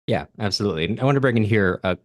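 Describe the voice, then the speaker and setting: A man's voice: lowish voice, animated, racing, no echo, clean studio sound. A man hosting a podcast, explaining background to literature in an unscripted, self-correcting way. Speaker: podcast host.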